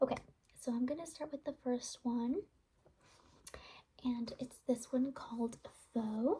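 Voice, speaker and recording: A soft-spoken woman talks fairly slowly with a high pitch and a dark, mellow tone. She leaves long, frequent pauses. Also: ordinary pitch variation. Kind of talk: ASMR librarian roleplay.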